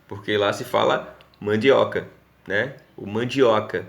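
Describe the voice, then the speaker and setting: A man's voice: on the low side, unhurried, creaky. A male teacher with a Pernambuco Brazilian Portuguese accent giving a recorded class lesson, explaining step by step and checking in with his students often. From Northeast Brazil.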